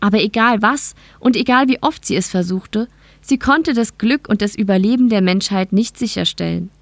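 A woman's voice: medium pitch, normal speed, gravelly, no room sound. Woman narrating an audiobook, dry sound. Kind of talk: scripted narration.

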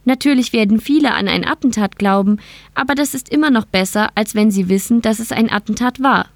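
A woman voicing a calm, evasive female machine intelligence, speaking in a measured, explanatory way. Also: a little high, vocal fry, no room sound. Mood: explaining.

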